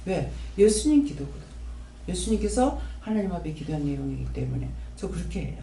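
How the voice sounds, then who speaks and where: Gyeongsang woman pastor, lively sing-song delivery, folksy, acts out dialogues, mic off at a distance in a reverberant hall. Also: on the low side, fairly quick, creaky, slight background noise. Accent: Gyeongsang Korean. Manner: animated, folksy, acts out her prayers and God's answers. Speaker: preacher at a prayer house. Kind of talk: sermon. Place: prayer house hall.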